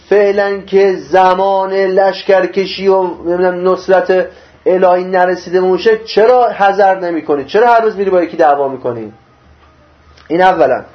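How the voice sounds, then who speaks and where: A man giving a religious lesson. He reads passages in Arabic, then explains them in plain Persian, asking rhetorical questions. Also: high-pitched. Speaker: religious teacher. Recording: dull lo-fi recording.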